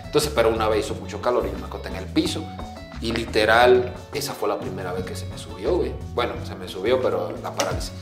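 A man from the Caribbean co-hosting a podcast, telling stories in lively casual chat full of slang, acting out his own reactions. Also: lowish voice, fast, echoey room, music in the background. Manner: animated, acts out his own shouts when telling stories, heavy slang. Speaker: podcast co-host.

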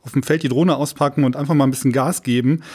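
A man's voice: mid-range voice, fairly even intonation, quick pace, a little mellow, husky. A man co-hosting a podcast in a casual, chatty style. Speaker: podcast co-host.

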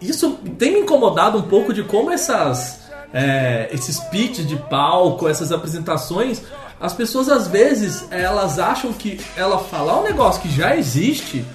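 A man's voice: high voice, unhurried, echoey room, faint music behind. A man co-hosting a casual podcast chat, telling stories and acting out quotes. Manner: animated storyteller, acts out quotes. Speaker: podcast co-host.

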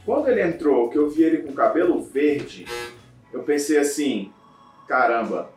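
A man, interviewing a fighter in a relaxed, chatty way. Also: on the high side, normal speed, recorded from a distance. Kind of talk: casual interview. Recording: roomy, off-mic with music behind.

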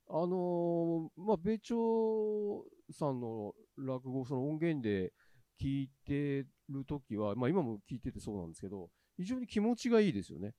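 A man's voice: mid-range voice, warm tone, no room sound. A man hosting a podcast, speaking thoughtfully and hesitantly with many fillers. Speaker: podcast host. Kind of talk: casual chat.

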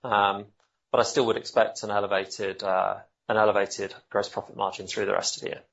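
Male executive on an earnings call, lower register, halting explanatory delivery, slightly dull audio. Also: flat delivery, creaky, a bit bright. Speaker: company executive answering analyst questions.

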